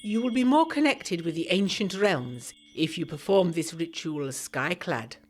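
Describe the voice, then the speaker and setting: A woman voicing a mysterious, commanding female clairvoyant who gives occult instructions in a measured, oracular way in a gothic audio drama. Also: lowish voice, expressive, a little mellow. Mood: instructing.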